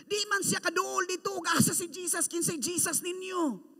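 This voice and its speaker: Man, pastor from the philippines, very high voice, long church reverb, animated sermon. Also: moderate pace. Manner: animated, acts out the story, code-switches.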